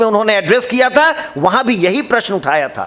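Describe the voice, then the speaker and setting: A man with a Bihari accent, lively intonation, and a moderate pace over noticeable background noise. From Bihar, India. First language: Magahi (speaking Hindi). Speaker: professor, keynote speaker. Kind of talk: lecture. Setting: auditorium with audience.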